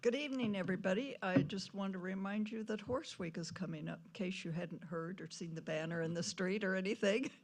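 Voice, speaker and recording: A woman's voice: medium pitch, fairly quick, few pauses, a little hiss or hum. A woman giving a chatty, informal community announcement at a public meeting.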